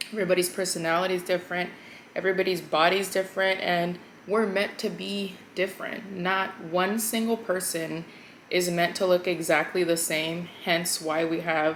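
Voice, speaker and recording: At a moderate pace, a woman of medium pitch speaks in a flat monotone with an American accent. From Mexican American household, US. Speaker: lifestyle YouTuber. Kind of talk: casual vlog talk to camera.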